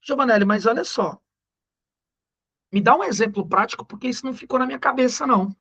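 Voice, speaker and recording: A man voicing a puzzled student who quickly asks his teacher for a practical example. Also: very high-pitched, pushed and bright, lo-fi sound, heavily acted.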